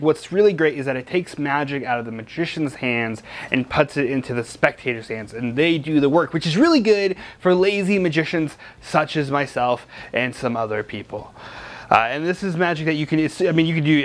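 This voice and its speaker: A young man hosting a magic product review, chatty and joking, rambling with lots of restarts and fillers. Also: mid-range voice.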